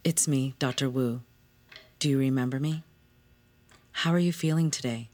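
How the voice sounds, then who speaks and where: An actor playing a calm psychiatric doctor, questioning a patient gently and clinically. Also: mid-range voice, normal speed, close to an everyday voice. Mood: gentle.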